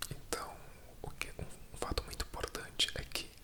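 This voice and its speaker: The speaker whispers at a very slow pace. Noticeable background noise runs underneath. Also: man. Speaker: ASMR creator analysing films. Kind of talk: ASMR film analysis, soft-spoken whisper. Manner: whispered, soft-spoken, relaxing.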